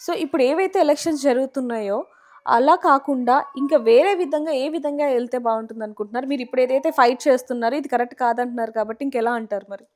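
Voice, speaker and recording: Fast-talking woman TV interviewer. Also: sits high, darkish tone. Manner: brisk questions, frequent agreeing murmurs. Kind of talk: TV news interview.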